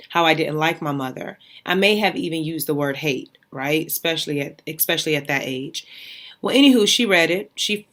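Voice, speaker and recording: A woman's voice: deep voice, fairly bright tone. Candid woman podcast host, chatty and open. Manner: conversational and candid, frequent "right?" and "y'all"; goofy, light-hearted asides. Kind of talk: personal storytelling monologue.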